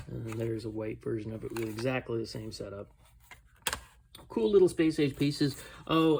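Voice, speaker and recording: An older man giving a casual, unscripted show-and-tell of secondhand finds, rambling and self-deprecating as he goes. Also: medium pitch. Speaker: collectibles reseller showing a garage sale haul. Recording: clearly noisy home recording with clicks.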